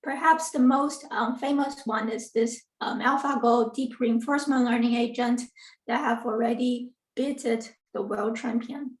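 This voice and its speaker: The woman's voice is fairly high and steady, with a measured pace, as she presents her academic talk by video call. A Taiwanese assistant professor in her thirties, she is earnest yet often says um and corrects herself, and the computer mic sits far off in a roomy room.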